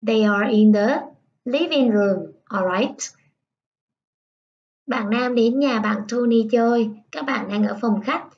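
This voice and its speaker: A woman teacher with a slightly high voice. She reads the dialogue slowly and translates each line for young pupils. The recording is dull and lo-fi. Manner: slow reading with line-by-line translation. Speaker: English teacher. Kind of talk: online primary English lesson.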